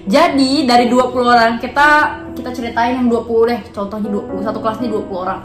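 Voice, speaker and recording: Female vlog host in her 20s, high pitch, roomy echo, walks viewers through it. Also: fairly even intonation, quick pace. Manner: explains step by step, speaks to viewers. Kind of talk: casual chat. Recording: echoey room with music behind.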